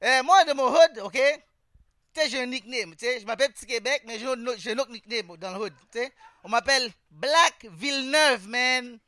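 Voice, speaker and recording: A man's voice: very high voice, normal speed, bright, forceful tone, no room sound, clean studio sound. A man with a Québécois French accent doing a stand-up comedy routine on stage, talking street slang, throwing "man" into every line and quizzing the audience. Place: stage before a live audience.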